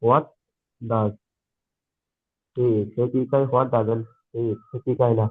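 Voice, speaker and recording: A man, an adult student, reciting English drill sentences slowly and haltingly. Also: medium pitch, steady tone. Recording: tinny phone-like line.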